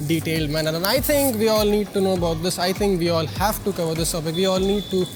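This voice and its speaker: High-pitched, fast-talking man with Bengali accent. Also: music in the background. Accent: Bengali Indian. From India. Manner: emphatic, repetitive phrasing. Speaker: YouTube channel host. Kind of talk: motivational vlog talk to viewers.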